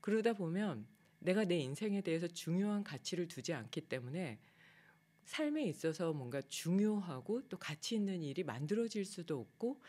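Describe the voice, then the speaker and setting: A woman who teaches meditation yoga, giving a casual talk in a soft, low-key way, her phrases trailing off quietly and turning higher and livelier when she acts out her own past complaints. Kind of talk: casual spoken talk on a daily theme.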